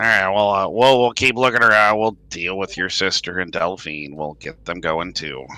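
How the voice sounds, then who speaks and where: This put-on character voice moves at a moderate pace with hardly any pauses. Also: man, very deep, low pitch for a man. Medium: actual play. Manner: wry, steadying.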